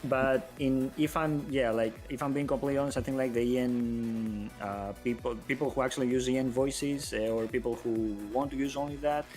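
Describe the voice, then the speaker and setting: A man's voice: medium pitch, fairly even intonation, fairly quick, few pauses, a little mellow, soft background music. A man speaking English as his second language, a livestream guest chatting casually and hesitantly with many fillers while searching for words. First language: not English.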